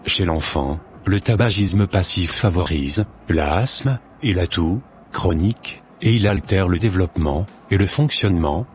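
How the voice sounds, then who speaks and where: A man voicing an earnest Christian big brother in a cartoon, speaking in a measured, didactic, preachy way. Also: low-pitched, slight background noise. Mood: instructive. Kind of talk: scripted cartoon dialogue, expository.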